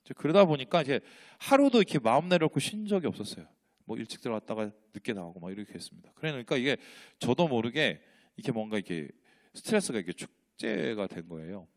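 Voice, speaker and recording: A man's voice: medium pitch, very animated, fast. A man, a pastor, preaching a sermon with rhetorical questions and acted-out dialogue in changing voices. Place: church sanctuary.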